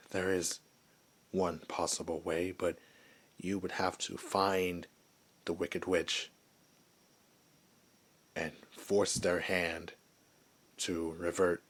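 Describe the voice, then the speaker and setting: A man playing a gentle, lonely werewolf who was once human, in a soft, hesitant, confiding ASMR roleplay voice. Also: low-pitched, breathy edge, heavily acted. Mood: resigned. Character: gentle, lonely male werewolf, former human, wistful outcast.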